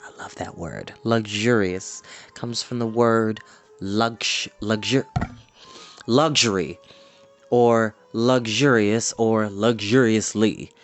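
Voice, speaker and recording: A man's voice: lowish voice, steady tone, slow pace, faint music behind. A man reading a story aloud expressively, with informal, chatty asides to listeners. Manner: informal, explains words to listeners.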